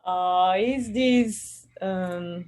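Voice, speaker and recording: A woman practicing English questions as a student, halting and hesitant. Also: on the low side, darkish tone.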